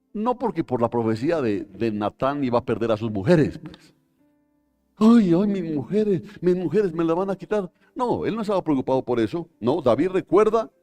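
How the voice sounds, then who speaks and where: A man's voice: medium pitch, darkish tone. A man with a Colombian accent preaching a live sermon in church, retelling a scripture story dramatically, full of rhetorical questions. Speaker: pastor.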